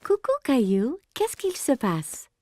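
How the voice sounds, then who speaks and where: A gentle cartoon mother, with a fairly high, mellow voice and very melodic delivery. She is reassuring and encouraging with her child. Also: very animated, slow pace, no echo, studio quality, heavily acted. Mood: cheerful.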